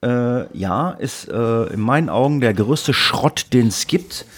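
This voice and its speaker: A man's voice: medium pitch, animated, a little slow. A man co-hosting a casual podcast chat, telling grumbling tech stories in a rambling way full of fillers. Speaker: podcast co-host.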